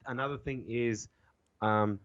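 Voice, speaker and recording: A man talking in casual podcast banter, animated and jokey, swearing now and then. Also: medium pitch, a little slow, dry recording. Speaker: podcast guest. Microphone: Skype call. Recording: dry, dull Skype call audio.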